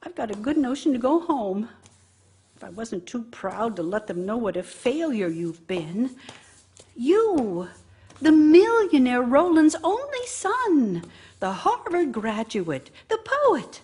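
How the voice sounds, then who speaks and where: A woman acting out an aggrieved wife in a stage-style radio drama. Her voice is high and raspy, with sweeping rises and drops. She scolds her husband with bitter sarcasm and constant complaint. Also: big pitch swings, takes it slowly, a little mellow, full character voice. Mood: bitter, sarcastic.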